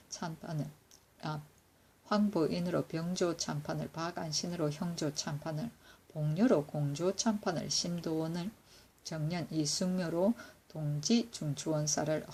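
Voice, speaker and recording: Woman, low register, steady archival reading with faint noise behind; measured recitation, catches her own slips. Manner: steady, measured recitation with occasional self-corrections. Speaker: reader of historical records. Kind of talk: reading court annals aloud.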